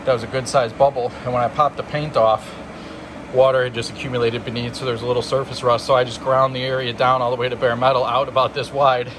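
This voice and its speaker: A young man talks a little out of breath as he walks around a car in his garage, plainspoken and proud of every small detail he points out. His voice sits at an ordinary middle pitch. A steady fan hum and workshop noise stay clearly audible behind him on the camera mic. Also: fast. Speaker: car restorer showing his work. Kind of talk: casual walkaround video log.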